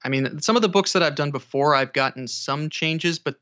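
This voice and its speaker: A man's voice: a little high, a little fast, bright, forceful tone, dull audio. A man speaking casually as an interview guest, easygoing and a little tentative in his phrasing. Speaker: audiobook narrator, podcast guest.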